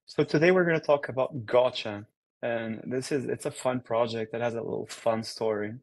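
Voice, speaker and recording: A young man from Portugal gives a research talk over a video call. His voice sits at a middle pitch. He talks in an easygoing, upbeat way, with fillers and quick restarts. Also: poor audio. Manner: casual, upbeat presenter with frequent fillers. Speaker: guest speaker.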